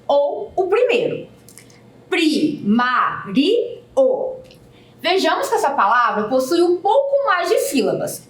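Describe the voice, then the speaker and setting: Lively high-voiced teacher in echoey room. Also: female voice. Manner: slow, deliberate syllable-by-syllable explanation. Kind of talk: recorded video lesson. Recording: echoey room, a bit distant from the mic.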